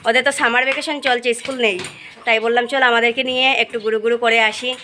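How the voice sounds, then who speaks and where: A woman's voice: fairly high pitch, steady tone, racing. A woman with a Sylheti-tinged Bengali accent chatting casually to her viewers while out and about. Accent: Sylheti-influenced Bengali. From India. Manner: chatty, addresses viewers directly. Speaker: vlogger. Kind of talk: casual vlog chat. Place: outdoors and in an auto-rickshaw, on the move. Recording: phone video with loud traffic noise. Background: vehicle noise.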